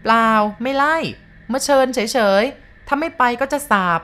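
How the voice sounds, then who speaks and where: A woman voicing a stern village exorcist who speaks firmly and deliberately in a spoken ghost story. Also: mid-range voice, darkish tone, natural voice. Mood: threatening. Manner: firm, commanding, slow and deliberate.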